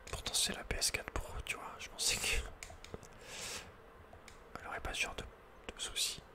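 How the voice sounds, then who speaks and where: Whispering Frenchman, casual gaming ASMR. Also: moderate pace. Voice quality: breathy, unvoiced whisper. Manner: casual, slangy, muttering to himself. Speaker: ASMR video game streamer. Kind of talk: whispered ASMR gameplay commentary. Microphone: close microphone.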